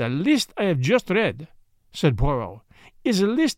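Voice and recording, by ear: Aloud reading, natural in voice.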